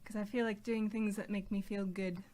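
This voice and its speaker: A bubbly, giggly woman chats on a stream in a softened American accent. Polish is her first language, and her voice sits at an ordinary middle pitch. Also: little pitch movement, normal speed. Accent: American, slightly softened. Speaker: guest, streamer's wife. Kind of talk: casual live-stream chat.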